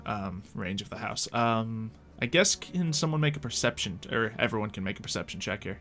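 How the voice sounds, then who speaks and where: A man narrating a tabletop roleplay game as game master in a casual, improvised way with halting, informal phrasing. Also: fairly low pitch, lively intonation, a bit bright. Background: faint background music.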